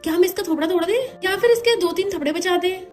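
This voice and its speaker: Woman reading as cheeky brash young wives, mocking insults, very high voice, faint music. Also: fast talker, darkish tone.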